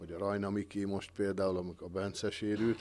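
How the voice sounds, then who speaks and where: A man's very deep, low voice in a flat monotone. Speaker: ice hockey club director. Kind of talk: interview. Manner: halting. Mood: calm, reflective. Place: office. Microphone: handheld.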